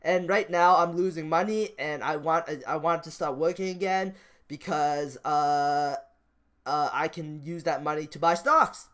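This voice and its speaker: A man's voice: fairly high pitch, fairly even intonation, a little slow, fairly bright tone, clear, resonant tone. A man talking off the cuff like a vlogger about his views, rambling, repeating phrases and restarting his sentences. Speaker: stock market vlogger. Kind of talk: casual off-the-cuff vlog commentary.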